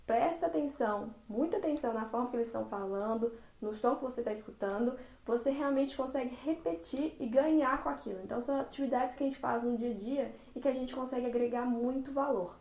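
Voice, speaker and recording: A woman's voice: on the high side, quick pace, few pauses. Chatty Brazilian woman, echoey room. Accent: Brazilian Portuguese. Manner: chatty and expressive, acts out little dialogues. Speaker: language-learning vlogger. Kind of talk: casual tutorial vlog.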